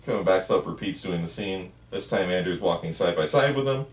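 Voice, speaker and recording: A man's voice: low-pitched, expressive, fairly quick. A man reading stage directions at a script table read, casual, dropping in asides. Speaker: script narrator and writer. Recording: echoey room, distant from mic.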